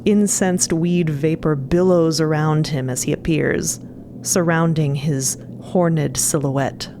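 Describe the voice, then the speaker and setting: A woman's voice: low voice, steady tone, slow pace, background noise. A woman delivering scripted, dramatic narration for a fiction podcast.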